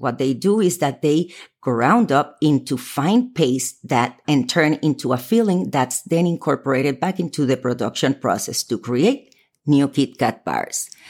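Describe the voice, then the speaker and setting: In a Spanish accent, a woman speaks with a very deep, low pitch at a fairly slow pace. The recording is very clean, with a silent background. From Puerto Rico. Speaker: podcast host. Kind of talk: casual solo talk. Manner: animated, laughing often.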